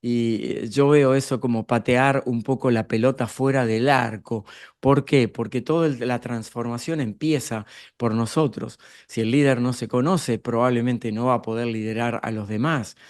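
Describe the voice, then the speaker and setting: A man's voice: medium pitch, steady tone, moderate pace, a little mellow. A man from Argentina with an Argentine accent, giving a live talk on emotional intelligence and leadership, explaining ideas to the audience and often asking rhetorical questions. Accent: Argentine Spanish.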